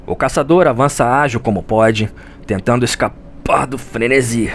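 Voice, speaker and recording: A man with a Brazilian accent voicing a lore scholar who narrates a dark gothic nightmare in a grave, theatrical audio drama style. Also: mid-range voice, moderate pace, slight background noise, lightly acted. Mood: solemn, explanatory. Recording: music under the voice. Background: music.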